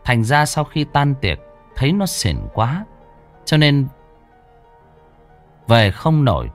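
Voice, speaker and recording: A man's voice: medium pitch, sing-song, takes it slowly, faint music behind. A man narrating a ghost story in a dramatic, suspenseful way.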